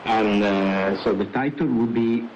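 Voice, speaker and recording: A man's voice: fairly low pitch, unhurried. Italian-accented man on muffled, noisy shortwave. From northern Italy. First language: Furlan. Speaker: documentary filmmaker, interview guest. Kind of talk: conversational interview.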